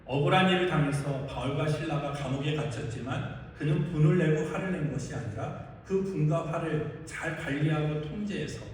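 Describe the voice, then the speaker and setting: This male pastor talks at normal speed with a slightly high voice and barely pauses as he preaches to his congregation. Repeatedly he asks them questions and supplies the answers himself. It's recorded in a large, echoey church sanctuary from a distant mic, with faint noise.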